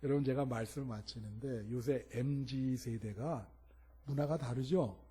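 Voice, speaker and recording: A man preaching a sermon as pastor, shifting between loud emphatic exclamations and quiet asides. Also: mid-range voice, normal speed, slightly rough.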